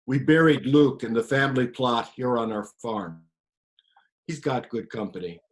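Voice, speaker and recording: A man playing a quiet grieving old grandfather. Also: medium pitch, normal speed, natural voice. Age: older. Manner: quiet, subdued storytelling. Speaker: actor. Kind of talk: one-man stage play monologue.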